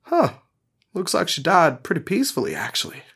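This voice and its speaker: A man's voice: on the high side, huge pitch swings, brisk, a bit bright, husky, full character voice. A man voicing a young man who grumbles and complains in an amateur audio drama. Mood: grumbling. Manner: reluctant, complaining. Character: young man named Ganymede, wary and grumbling.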